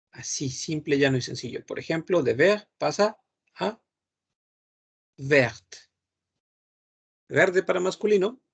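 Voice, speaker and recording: Slow, gravelly-voiced man teaching. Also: on the high side. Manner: patient, repeats words several times, thinks aloud with hums. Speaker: French teacher. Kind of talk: slow online lesson explaining grammar.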